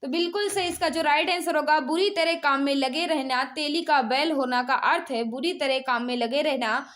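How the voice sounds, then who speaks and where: A woman's voice: sits high, normal speed, a bit bright. An Indian woman teacher running a live exam quiz, reading out questions and answers in a repetitive, instructional way and prompting students.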